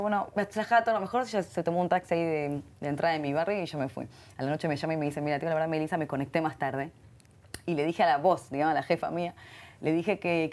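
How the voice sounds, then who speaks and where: A middle-aged woman with an Argentine Spanish accent, a guest in an interview who speaks in an expressive way, often repeating herself. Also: fairly low pitch. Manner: warm and expressive, many repeated words and Hebrew terms. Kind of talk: heartfelt conversational interview.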